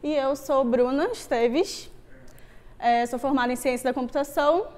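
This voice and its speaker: This is a young woman's high, slightly mellow voice at a moderate pace, with a Rio de Janeiro carioca accent. As a meetup speaker and Android developer, she gives a casual tech talk on a stage before a screen, in a meetup room with a wooden floor.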